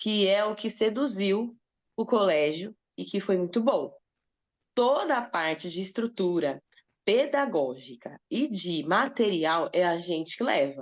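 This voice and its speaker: At a fairly slow pace, a woman speaks at a medium pitch in an animated tone with very wide pitch swings. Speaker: music school director. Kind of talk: online talk sharing business experience.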